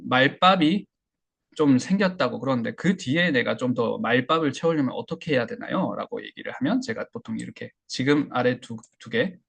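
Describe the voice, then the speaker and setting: A man giving an online English listening lecture, relaxed and explanatory, with frequent fillers and self-corrections. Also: medium pitch, moderate pace, creaky, slightly rough.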